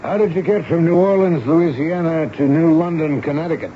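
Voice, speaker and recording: A man's voice: on the high side, brisk, close to an everyday voice. A man acting a stern, authoritative army major who questions in a commanding, clipped way in a 1970s radio drama. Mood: probing. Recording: dull, noisy vintage radio broadcast.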